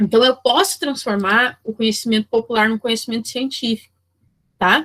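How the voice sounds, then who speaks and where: A woman at a moderate pace, recorded with a dry, close sound and no echo. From interior of Paraná, Brazil. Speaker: music teacher. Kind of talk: lecture.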